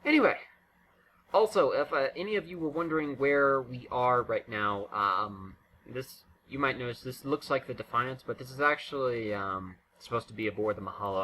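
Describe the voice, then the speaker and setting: A man's voice: fairly low pitch, pushed and bright, slight background noise, rough recording. A man giving casual, unscripted game commentary in a rambling, self-interrupting way. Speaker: gaming video creator.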